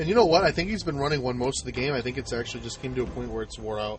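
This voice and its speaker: A man's voice with music in the background. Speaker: esports match caster. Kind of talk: live game commentary.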